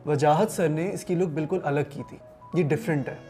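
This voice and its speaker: A man's voice: a little high, moderate pace, mellow. A young man, an actor, talking easily and at length in a casual interview. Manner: easygoing, explains at length. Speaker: actor guest. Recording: music playing under the voice.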